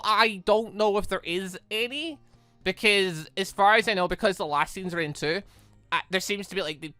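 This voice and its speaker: Lively gamer rambling through casual commentary, bright dry voice, music underneath. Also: medium pitch, no echo. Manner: rambling, thinking aloud. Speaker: gaming video host reading a visual novel aloud.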